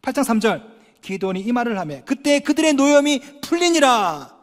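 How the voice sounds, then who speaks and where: A pastor preaching a sermon in an animated way, acting out quoted dialogue and putting questions to the congregation. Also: male voice, very high voice, moderate pace, big-room sound.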